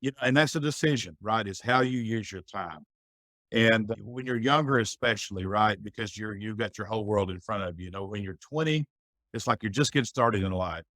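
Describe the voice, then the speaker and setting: A man's voice: lowish voice, a little fast, a bit bright, no room sound. A middle-aged man speaking as a podcast guest, giving earnest, folksy advice in a reflective conversation. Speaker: guest, business owner.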